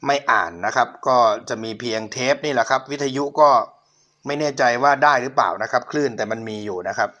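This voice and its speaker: A man's voice: mid-range voice, quick pace, sharp tone. A middle-aged man hosting his own channel, politely showing viewers an old cassette player and talking to them often. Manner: polite, repeatedly addresses viewers. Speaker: channel host reviewing a cassette player for sale. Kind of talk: casual product demo.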